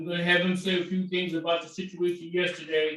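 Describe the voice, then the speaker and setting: Loud and high-pitched, a man talks at a moderate pace in a flat, monotone delivery. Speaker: council president. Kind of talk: council meeting. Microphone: quiet on remote feed.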